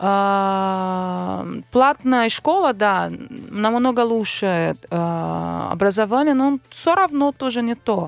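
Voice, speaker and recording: In a very clean recording with a silent background, a woman with a Brazilian accent speaks at a very slow pace with hardly any pauses. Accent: Brazilian-accented Russian. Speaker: singer, Brazilian living in Russia. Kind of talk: casual interview. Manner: halting, grammatical errors.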